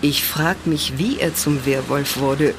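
An actress playing a spirited, publicity-shy woman in an audio drama, speaking in an expressive, questioning way. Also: deep voice, takes it slowly, background noise. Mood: annoyed. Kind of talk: German audio drama acting. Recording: music under the voice.

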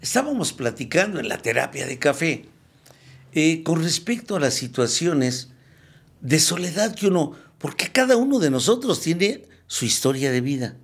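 A man giving a spiritual recovery talk, telling it as a lively story and repeating phrases for emphasis. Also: fairly high pitch, moderate pace, breathy edge. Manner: lively storyteller who acts out the quotes he tells. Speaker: speaker at a recovery group meeting.

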